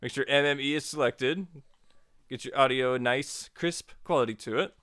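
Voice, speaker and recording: A man's voice: medium pitch, normal speed, fairly bright tone, no echo, clean studio sound. A man narrating a tutorial as its host in an informal, jokey, casual way.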